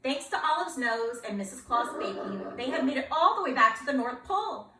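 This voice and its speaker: Animated lady reading to kids, high voice, playful, asks the kids stuff. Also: fairly quick, echoey room, far from the mic, background noise. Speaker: librarian reading aloud. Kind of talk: expressive storybook read-aloud for children.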